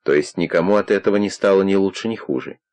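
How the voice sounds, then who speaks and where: A man playing a calm, persuasive older investigator. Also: low-pitched, fast talker, lightly acted. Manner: calm, persuasive, warmly probing.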